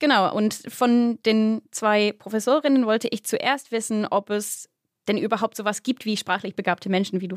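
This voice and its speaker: Fairly high-pitched female speech, moderately paced, with ordinary pitch variation and a dry, close sound with no echo. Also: very clean recording, silent background. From England. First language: English (speaking German). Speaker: podcast host, journalist. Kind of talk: casual chat.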